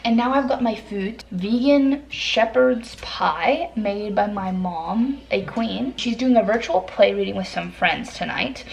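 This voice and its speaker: Chatting to camera indoors at her family home, a young vlogger host comes across as self-deprecating and dryly sarcastic. Her medium-pitched voice is a little slow and creaky, with hardly any pauses. The poor audio carries noticeable background noise.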